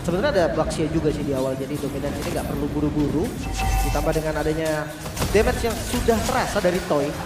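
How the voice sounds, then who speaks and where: A man's voice: a little high, quick pace. A man with an Indonesian accent giving analytical live commentary as co-caster of an esports match. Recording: loud music under the commentary.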